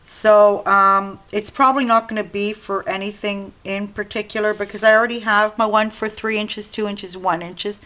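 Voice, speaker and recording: A woman with an Italian-American accent hosting a casual craft tutorial at her home desk, chatting and explaining as she cuts and works, clearing an itchy throat now and then. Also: mid-range voice, level tone, normal speed, hardly any pauses, sharp tone, rough recording. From Sicily. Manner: chatty, explaining while working with hands. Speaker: craft channel host.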